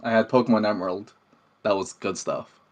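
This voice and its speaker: A man's voice: lowish voice, a little fast. A man, talking casually as an interview guest. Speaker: interview guest, game developer. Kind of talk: casual chat.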